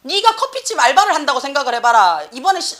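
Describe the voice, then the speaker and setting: A middle-aged woman with a Gyeongsang Korean accent works as an academy teacher, lecturing and scolding students in a blunt, slangy manner. Her high-pitched, fairly bright voice moves fast with big pitch swings.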